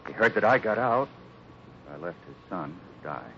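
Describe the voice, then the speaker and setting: A man playing a grave, stoic cowboy foreman, speaking with solemn, measured resignation in an old-time radio western. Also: on the low side, expressive, a little hiss or hum. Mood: grave resigned. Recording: dull old radio recording with music.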